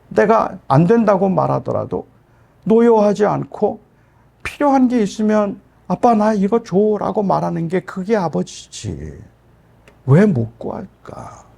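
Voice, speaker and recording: A man's voice: on the high side, creaky. A middle-aged man, a pastor, telling a personal story in a sermon with emotional storytelling. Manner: emotional storytelling, rising to loud outbursts.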